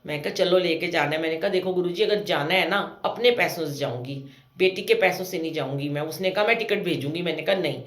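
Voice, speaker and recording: A woman's voice: fairly low pitch, fast. A woman, telling a devotional story about her own life in a chatty way, full of fillers and with her family's words acted out. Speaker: satsang storyteller. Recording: roomy echo.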